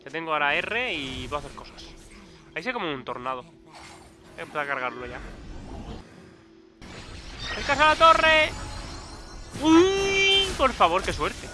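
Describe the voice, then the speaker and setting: Excitable high-voiced Spanish gamer. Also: male voice, a little fast, over music. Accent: Peninsular Spanish. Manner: excitable, swearing, frequent loud outbursts. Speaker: gaming YouTuber. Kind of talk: live gameplay commentary.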